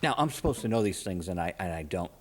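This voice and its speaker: Chatty man with lively intonation. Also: sits low, fast. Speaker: radio interview host. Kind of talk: chatty, informal music interview.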